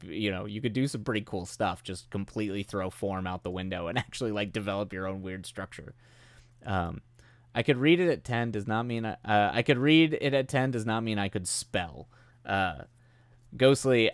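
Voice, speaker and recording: A low-pitched man talks loosely to his live chat, rambling and poking fun at himself with frequent laughs. He's getting sick and his voice is beginning to wear out. The sound is close and dry, with no room around it. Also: fairly bright tone, no echo. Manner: rambling, self-deprecating, laughs often. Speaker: streamer hosting writing sprints.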